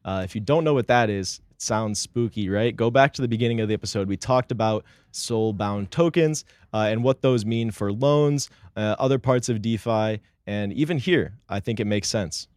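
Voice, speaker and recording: A man's voice: on the low side, moderate pace, hardly any pauses, a little mellow, dry recording, studio quality. A man hosting a live-streamed interview show, upbeat, reading audience chat aloud with frequent fillers. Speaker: podcast host.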